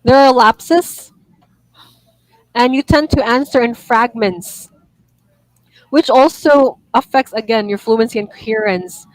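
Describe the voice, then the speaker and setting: A woman gives one-on-one IELTS feedback over a video call, her voice on the higher side. She corrects gently, laughs easily and apologizes for her own slips. The sound is dry and close to the mic. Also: slow, pauses often, no echo, rough recording. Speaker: IELTS speaking teacher. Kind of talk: online one-on-one lesson feedback.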